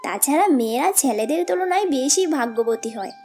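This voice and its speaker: Parrot neighbour, female performer: very high cartoon voice, outspoken and moralizing. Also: expressive, moderate pace, music in the background. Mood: admonishing. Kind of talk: children's cartoon acting.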